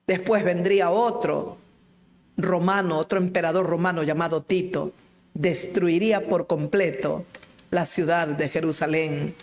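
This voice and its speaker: A woman's voice: lowish voice, darkish tone. A woman evangelist delivers a fervent radio sermon. She speaks straight to her listeners and presses her points with conviction. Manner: impassioned preaching, addressing listeners directly. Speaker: evangelist and radio program host.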